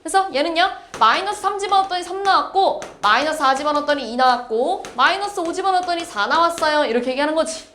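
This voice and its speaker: A woman teaching a math class, lively and quick to check whether students follow. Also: high voice, slight background noise. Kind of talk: classroom lecture. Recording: echoey classroom.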